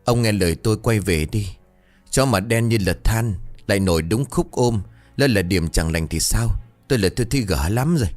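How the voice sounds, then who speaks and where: A man's voice: lively intonation, normal speed, soft background music, natural voice. A man putting on a terrified old village wife. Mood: fearful. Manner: shrill, begging, panicky.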